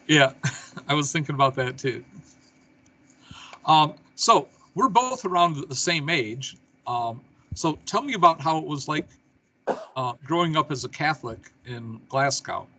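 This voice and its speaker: A man's voice: a little high, animated, measured pace, bright, forceful tone, poor audio. A man hosting an interview show, with scripted announcements and casual questions.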